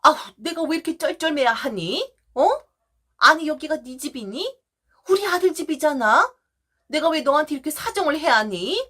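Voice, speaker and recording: A woman voicing a scheming older mother-in-law who pleads and then scolds her daughter-in-law in a high, sharp voice. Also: expressive, normal speed. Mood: indignant scolding.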